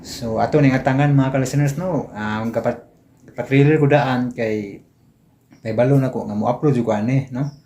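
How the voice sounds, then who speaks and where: A man's voice: mid-range voice, normal speed, dark tone. A man with a Cebuano accent hosting a casual vlog, chatting to listeners and often tagging his phrases with a short question. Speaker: vlog host introducing radio dramas.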